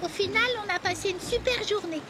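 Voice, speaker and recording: A woman's voice: very high voice, fairly quick. A woman voicing a contented, easygoing young girl in a French cartoon dub.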